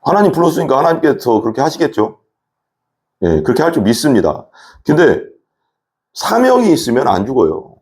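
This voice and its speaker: A man preaching a sermon as pastor, telling his story in an animated way. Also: a little fast, long pauses. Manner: animated storytelling preacher, lively swings in pitch. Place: church.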